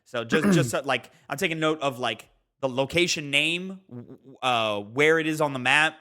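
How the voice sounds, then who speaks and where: A man co-hosting a gaming podcast, chatting casually and telling things in an animated way. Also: mid-range voice, normal speed. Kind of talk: casual chat.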